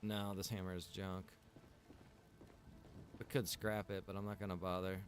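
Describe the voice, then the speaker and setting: A man's voice: sits low, flat delivery, normal speed. A man giving casual gameplay commentary, often muttering to himself as he plays. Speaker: streamer playing a survival roleplay game.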